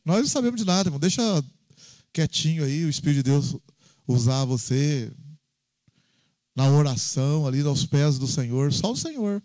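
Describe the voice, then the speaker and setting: A man with a Brazilian Portuguese accent preaching an informal sermon in a church, telling personal stories with lively frequent tag questions. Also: on the high side, normal speed, pauses often, no room sound. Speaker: pastor.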